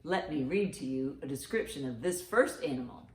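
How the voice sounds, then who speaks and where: Her very deep voice is animated and moves at normal speed as she hosts storytime, reading and posing riddles to young kids. She's encouraging, with exaggerated reactions to what they answer, and the recording sounds roomy and echoey.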